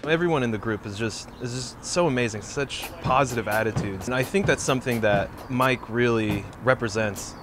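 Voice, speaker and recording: A man at a drum camp speaks with enthusiasm and admiration. He was recorded outdoors, with clear street and vehicle noise around him. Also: medium pitch, normal speed, few pauses. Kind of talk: documentary interview.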